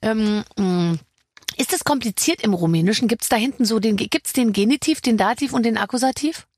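Chatty higher-voiced woman host. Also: darkish tone, breathy edge, no echo. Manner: chatty and playful, quick asides. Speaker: podcast host. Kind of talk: casual chat.

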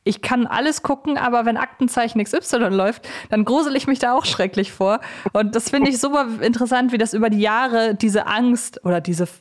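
A woman's voice: fairly high pitch, brisk. A woman hosting a casual podcast interview in a chatty, conversational way. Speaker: podcast host.

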